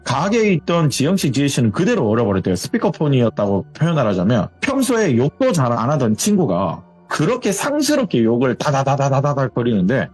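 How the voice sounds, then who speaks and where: A man telling a horror story in a casual, lively, conversational way, retelling what a listener reported. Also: mid-range voice, a little fast, few pauses, breathy edge. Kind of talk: casual spoken horror narration. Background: faint background music.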